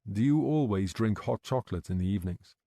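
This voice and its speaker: A man voicing a calm, patient male detective who questions people gently and in a measured way. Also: on the low side, dry recording, clean studio sound.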